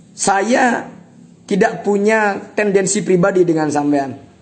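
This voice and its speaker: Amid audible room echo, a man speaks very slowly in a high voice with ordinary pitch variation. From Madura, Pamekasan. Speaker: legal practitioner. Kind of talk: political commentary monologue.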